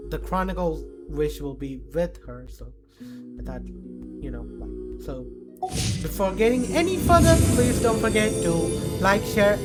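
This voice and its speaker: A woman hosting a gameplay video with casual commentary, halting and often repeating her phrases. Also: on the low side. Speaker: gaming video host. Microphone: mic propped on stack of books. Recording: loud music behind the voice.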